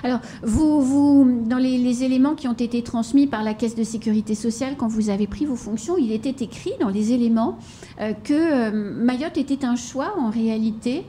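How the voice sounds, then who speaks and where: Tv interviewer lady, kinda high but mellow voice, takes her time with questions, faint hiss. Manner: measured, searching for words.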